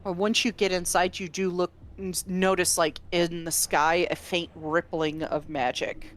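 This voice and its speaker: Unhurried woman game master. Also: fairly low pitch. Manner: relaxed, descriptive narration with laughs. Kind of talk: narrating a tabletop game.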